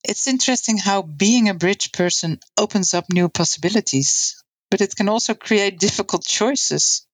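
Dutch-born woman, steady podcast narrator. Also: medium pitch, normal speed, slightly rough, no echo. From Netherlands. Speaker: podcast co-host. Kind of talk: scripted narration.

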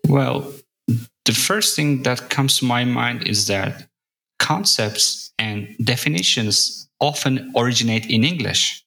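Bright-voiced man from Turkey. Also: mid-range voice, gravelly, poor audio. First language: Turkish. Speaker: podcast guest. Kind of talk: podcast conversation.

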